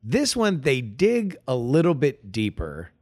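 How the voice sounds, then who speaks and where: A man co-hosting a podcast in casual chat, halting with many fillers and restarts. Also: medium pitch, wildly swooping pitch, a little mellow. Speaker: podcast co-host.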